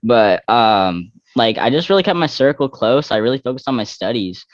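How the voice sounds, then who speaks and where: A man's voice: mid-range voice, expressive, normal speed, no echo, lo-fi sound. A young trans man in his twenties, a guest in a candid interview, talking reflectively with frequent fillers and restarts. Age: young adult.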